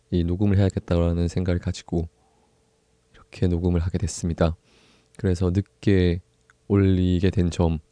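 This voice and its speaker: A young man hosting his own book podcast, talking in an easygoing, soft-spoken way with pauses and small laughs. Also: sits low, no echo. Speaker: podcast host. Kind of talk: casual solo book podcast talk.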